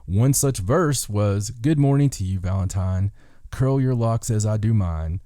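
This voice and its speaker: A man with a low, mellow voice hosts a podcast in a relaxed, dark tone. He reads folklore items casually and slips in dry jokes. The sound is close, with hardly any room to it. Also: unhurried, no echo. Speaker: podcast host. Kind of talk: reading a list of folklore with casual joking asides.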